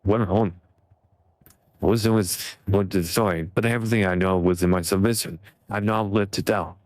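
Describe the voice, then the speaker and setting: A man on a voice changer as a cryptic deep-voiced stranger. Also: fairly even intonation, moderate pace, dry recording. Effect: voice changer lowering the voice. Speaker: streamer reading game dialogue aloud. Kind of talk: voicing game dialogue on a stream.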